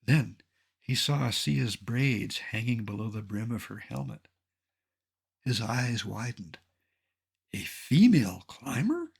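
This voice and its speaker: Gravelly-voiced man in his seventies. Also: lowish voice, steady tone. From Colorado, United States. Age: 70s. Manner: dry, wry humor with measured delivery. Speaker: naturalist giving a public slide lecture. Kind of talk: illustrated lecture with storytelling.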